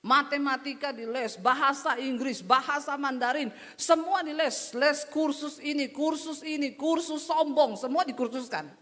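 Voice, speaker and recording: A woman's voice: high-pitched, moderate pace, pushed and bright, in a large hall. A woman pastor preaching a sermon in a chatty, humorous way, speaking straight to her congregation.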